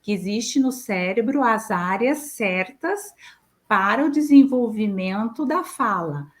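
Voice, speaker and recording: A woman's voice: medium pitch, expressive, a little slow. A middle-aged Brazilian woman, a speech therapist, explaining patiently in an interview and giving examples.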